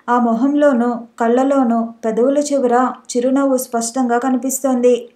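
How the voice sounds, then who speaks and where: A woman's voice: high-pitched, mellow. A woman narrating a novel as an audiobook, reading steadily and evenly.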